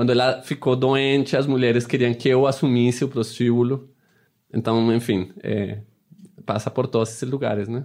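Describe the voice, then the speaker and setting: A man with a Spanish accent speaks at a moderate pace in a medium pitch, his intonation monotone and flat, with long, frequent pauses. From Colombia, Bogotá. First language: Spanish (speaking Portuguese). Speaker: anthropologist. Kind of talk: interview. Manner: halting.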